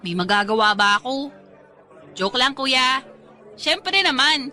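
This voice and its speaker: A woman's voice: high voice, lively intonation, takes it slowly, bright, forceful tone, full character voice. A woman playing a cheeky young niece in a Tagalog radio drama, teasing and playful as she bargains for treats.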